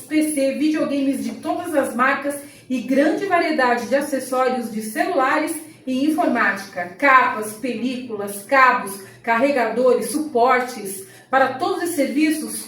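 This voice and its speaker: Upbeat Brazilian woman reading ads, echoey and distant. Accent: Brazilian Portuguese. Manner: upbeat sales pitch with a drawn-out tagline. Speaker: podcast co-host reading sponsor ads. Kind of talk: scripted ad reading. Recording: roomy echo, distant from the mic, faint background noise.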